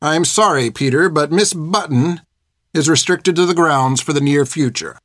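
A man's voice: fairly high pitch, moderate pace, fairly bright tone, no echo, clean studio sound, pitched above the performer's own voice, natural voice. A man doing a stern haughty old nun. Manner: prim, clipped, commanding.

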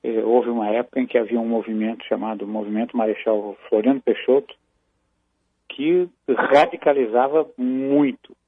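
A Brazilian man commenting on military affairs in a halting, measured way, with many restarts. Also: medium pitch, steady tone, no room sound. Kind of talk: phone-in analysis on a news program. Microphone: phone. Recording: tinny phone line.

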